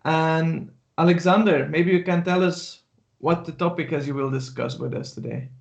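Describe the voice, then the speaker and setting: Gravelly host on dull lo-fi call audio. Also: male voice, fairly high pitch. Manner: friendly, slightly halting. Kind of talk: introducing a speaker.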